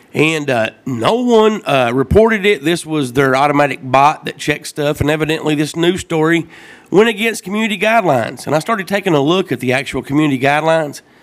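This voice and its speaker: Lively in intonation and fairly high in pitch, a man rushes along at a very fast pace with hardly any pauses. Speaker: podcast host. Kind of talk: casual chat. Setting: live-streamed studio with mics. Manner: loud.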